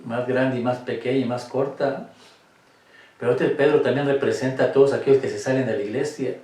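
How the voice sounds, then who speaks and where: Leading a Catholic Bible study, this man has a warm, mid-range voice with fairly even intonation and a fairly quick pace. He's emphatic and asks rhetorical questions, recorded on a distant mic in an echoey room fitted with cameras.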